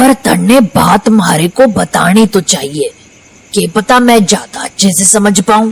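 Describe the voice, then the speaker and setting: Using a put-on character voice, a woman speaks at a fairly slow pace with ordinary pitch variation. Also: medium pitch for a woman. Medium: audio drama. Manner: prying, folksy.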